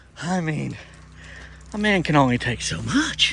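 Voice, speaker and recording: There is noticeable background noise behind this man. He talks at a fairly slow pace. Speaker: pressure washing business owner. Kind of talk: casual vlog talk.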